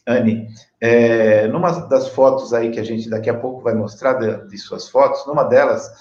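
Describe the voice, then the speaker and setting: A man with a Brazilian accent hosting a conversational interview in a deliberate, hesitant, rambling way. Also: medium pitch. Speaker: interview host. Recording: echoey room, dull lo-fi audio.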